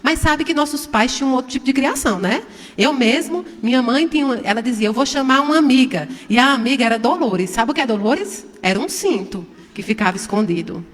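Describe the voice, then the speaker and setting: A woman's voice: on the high side, expressive, fairly quick. A middle-aged woman from Brazil giving an informal spiritist talk to an audience in a large hall, chatty, putting questions to the listeners. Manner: chatty, asks the audience questions, acts out shouts. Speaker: spiritist lecturer.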